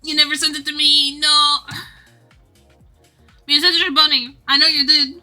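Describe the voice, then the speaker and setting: A woman streaming casually to her viewers in a giggly, rambling, animated and teasing way as she works on art. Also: sits high, moderate pace, soft background music. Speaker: streamer drawing game art live. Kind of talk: casual livestream chat with viewers.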